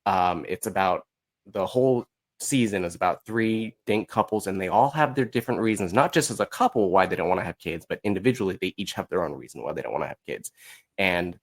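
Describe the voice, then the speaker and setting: A man chatting casually as an interview guest, telling his story in a candid, animated, self-deprecating way. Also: deep voice, a little fast. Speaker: podcast guest, musical writer.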